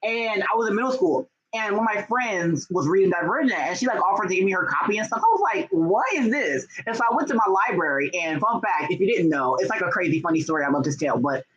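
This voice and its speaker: Higher-pitched young man, gushing and chatty. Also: quick pace, hardly any pauses, highs cut off, over a noisy crowd. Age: young adult. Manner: gushing, excitable, slangy with frequent "like" and "y'all". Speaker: book vlogger and writer hosting a livestream. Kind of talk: casual, chatty livestream talk.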